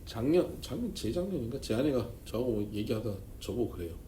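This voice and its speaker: A male pastor preaches at a seminar, his pitch swinging freely as he tells humorous stories. His tone is dark and mellow. The church room echoes, with a faint hiss underneath. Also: lively intonation, brisk. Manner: storytelling with humor, emphatic swings in loudness. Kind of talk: seminar sermon.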